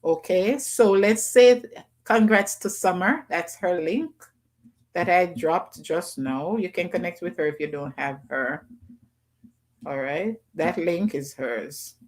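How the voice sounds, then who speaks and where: A woman's voice: lowish voice, slow pace. A woman hosting a casual livestream call-in, chatting loosely and greeting viewers by name. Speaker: livestream host.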